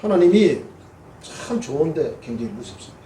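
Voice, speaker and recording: A pastor speaking with a Gyeongsang accent gives a warm, folksy, humorous sermon in a church sanctuary, performing the voices he quotes. His voice is on the high side, a little fast, with big pitch swings; the echoey hall and distant mic leave a little hiss or hum.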